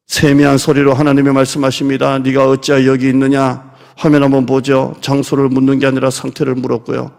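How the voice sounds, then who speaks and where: A middle-aged man from South Korea preaching a Sunday sermon in a conversational way, sometimes dropping to soft near-whispers. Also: mid-range voice, gravelly. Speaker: pastor. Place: church sanctuary. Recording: long church reverb.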